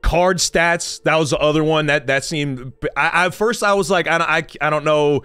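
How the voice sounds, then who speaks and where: A man with a slightly higher voice hosts a laid-back podcast chat. He talks loosely and uses a lot of slang, circling back and restarting his thoughts. The sound is dry and close, with no room around it. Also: moderate pace, bright, forceful tone, clean tone, dry recording. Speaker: podcast host. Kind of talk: casual interview chat.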